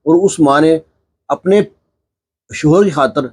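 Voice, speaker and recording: A man's voice: fairly high pitch, a little mellow, breathy edge. A man narrating a moral story in an earnest, heartfelt way, stepping into the characters' dialogue as he goes.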